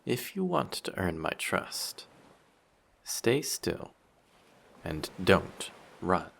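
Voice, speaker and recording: Man acting as dangerous merman monster, unhurried, creaky low register, formal, softly threatening, intimate audio drama, faint ambient noise behind. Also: big pitch swings, heavily acted. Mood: coolly threatening. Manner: measured, quietly menacing, formal wording. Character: dangerous, possessive, flirty male sea monster with fish tail.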